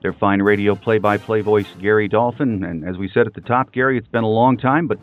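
A man's voice: lowish voice, brisk, highs cut off. A man hosting a sports podcast, reading game notes and promos. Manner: steady announcer delivery, reading notes and promos. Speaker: podcast host.

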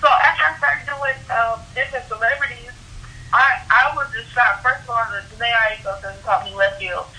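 A young woman from Houston chats as a guest in a casual interview, telling animated stories with quick laughs. Her voice sits a little high and sounds very bright. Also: low-quality recording. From Houston, Texas. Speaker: henna artist guest.

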